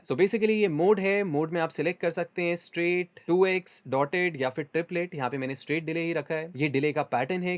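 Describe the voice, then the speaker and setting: A man in his twenties with an Indian accent, giving a casual, enthusiastic, conversational tutorial as a host. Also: a little high. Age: 20s. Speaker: music mixing tutorial host. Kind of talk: casual tutorial explanation mixing Hindi and English. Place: small home studio, indoors.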